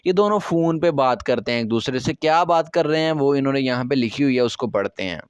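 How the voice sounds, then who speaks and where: A man's voice: medium pitch, expressive, fast, clean tone, no echo. A man with an Urdu accent explaining a textbook language lesson, patient and repetitive, often checking that his listeners follow. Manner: patient, repeats key words, checks with "theek hai". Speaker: Korean language teacher.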